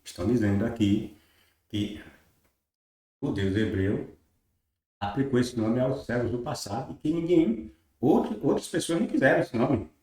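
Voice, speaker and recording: A man speaks in a dark, mellow tone, with strong echo all around him. He reads scripture passages slowly and deliberately, then breaks into loose commentary full of checking questions. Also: medium pitch, expressive. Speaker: religious text critic. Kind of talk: reading aloud and commenting on scripture. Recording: very echoey room.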